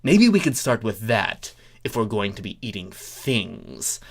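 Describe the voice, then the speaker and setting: A performer voicing a solemn, contrary, deadpan male oddball in a cartoon fan story. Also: medium pitch, a little slow, vocal fry, husky, full character voice. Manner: deadpan, intoning.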